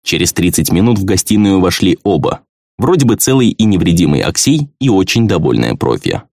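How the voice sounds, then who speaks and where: Male audiobook narrator, lowish voice, very lively pitch, dry close sound. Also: brisk, vocal fry, no room sound. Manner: expressive, conversational. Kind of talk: first-person fantasy audiobook narration.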